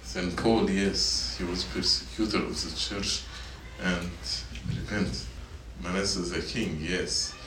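A low-pitched man talks slowly and steadily, with hardly any pauses, as he teaches a sermon to middle schoolers in a church meeting room. This youth teacher repeats points and quizzes the students, while the distant mic captures room echo and faint noise.

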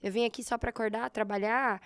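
A slightly hoarse woman in her thirties with a Brazilian accent, telling her story in a casual interview and acting out her past thoughts. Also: a little high, steady tone, a little fast, dry recording. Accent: Brazilian Portuguese. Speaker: guest, entrepreneur.

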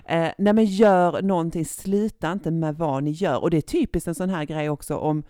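A woman co-hosting a podcast, chatting in a relaxed, opinionated way. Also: low-pitched, no echo, studio quality. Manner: relaxed, opinionated, giggles between points. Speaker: podcast co-host. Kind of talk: casual podcast chat.

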